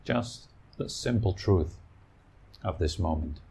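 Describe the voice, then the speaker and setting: Deep, slow, mellow male meditation guide. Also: expressive, gravelly, husky. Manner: soothing, unhurried pauses between short phrases. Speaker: meditation teacher. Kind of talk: guided meditation, gentle instruction.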